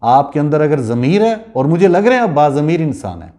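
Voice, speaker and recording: A man's voice: a little high, very animated, dark tone. Impassioned man lecturing hard. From Pakistan. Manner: rhetorical, lecturing, addresses listener directly with pointed questions. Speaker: commentator host. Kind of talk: impassioned political commentary.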